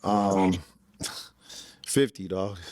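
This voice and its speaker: Relaxed, low-voiced man in his forties. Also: very slow, no room sound, studio quality. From Los Angeles, born in El Salvador. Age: 40s. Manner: relaxed, loose, peppers talk with "man", frequent restarts. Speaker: podcast guest, entrepreneur. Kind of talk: casual interview talk.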